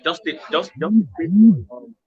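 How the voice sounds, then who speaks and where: A man's voice: on the high side, expressive, normal speed, phone-quality sound. A man from Nigeria with a Nigerian accent, hosting a live stream over a video call, repeating words and checking that he is heard. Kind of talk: casual video call chat.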